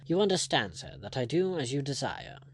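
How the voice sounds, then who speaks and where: A man's voice: a little high, very animated, a little fast, pitched above the performer's own voice. A man voicing a haughty aristocratic lord in an audiobook, with a cold, formal manner. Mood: stiffly reluctant. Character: haughty English aristocrat lord, stiff and indignant.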